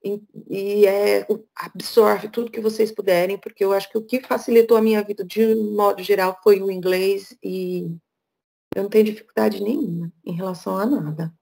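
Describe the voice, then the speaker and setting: Brazilian woman guest speaker, raspy fry in her voice, casual and blunt, video call sound. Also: mid-range voice, fairly even intonation, moderate pace, mellow. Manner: chatty, frank and direct.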